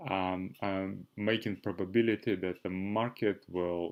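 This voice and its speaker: On a very clean recording with a silent background, a man speaks in a Russian accent. His pitch is fairly low and his intonation is monotone and flat. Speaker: trader and crypto analyst. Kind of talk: market analysis monologue. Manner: slow; halting, many fillers.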